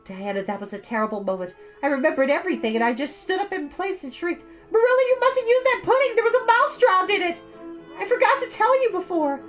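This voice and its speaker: A woman's voice: on the high side, quick pace, few pauses, dull audio, soft background music, voice pushed up, close to an everyday voice. A woman voicing an imaginative, dramatic young girl who talks in breathless run-on stories. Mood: rueful, dramatic. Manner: breathless, run-on storytelling, theatrical.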